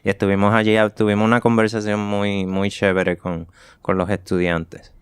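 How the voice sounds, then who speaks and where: A woman who teaches is hosting an interview conversation. Her voice is exceptionally clear and smooth, and the recording is close and dry. She speaks in a relaxed, chatty way. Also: extremely low pitch, normal speed, no room sound. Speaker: interviewer, professor.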